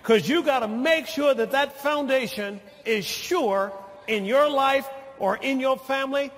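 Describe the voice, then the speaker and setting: An older male pastor with an unusually high, bright and forceful voice preaches in a slow, deliberate cadence. He rises to shouted passages and calls his congregation to say amen. The sound rings with the long reverb of a large church sanctuary. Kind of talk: sermon.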